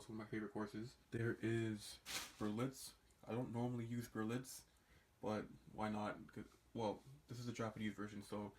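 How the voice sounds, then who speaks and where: A man's voice: fairly low pitch, a little mellow, slight background noise. A young man talking casually to camera as a language-learning vlogger, rambling and restarting his sentences. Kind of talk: casual vlog talk. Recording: echoey room.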